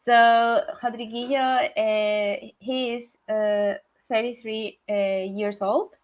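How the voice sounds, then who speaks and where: Slow, halting Peruvian Spanish-accented woman. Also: fairly high pitch, fairly even intonation, dull audio. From Peru. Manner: halting, many fillers and restarts, laughs often. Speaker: community member. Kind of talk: casual self-introduction.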